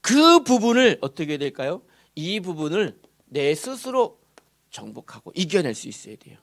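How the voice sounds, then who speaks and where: A male pastor preaching a sermon in a church sanctuary, animated and often asking the congregation questions. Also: sits high, moderate pace.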